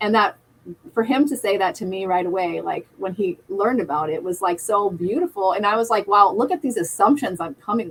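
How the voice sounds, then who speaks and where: With an American accent and an unremarkable speaking voice, a woman of medium pitch talks at a fairly quick pace with lively intonation. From Minnesota. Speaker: guest, mother and newcomer homesteader. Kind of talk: casual live interview chat.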